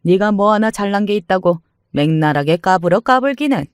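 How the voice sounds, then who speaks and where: A man voicing a domineering, scornful older mother-in-law, scolding in a shrill, contemptuous way. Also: lively intonation, fairly quick, clear, resonant tone, dry recording, studio quality. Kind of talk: dramatized story reading.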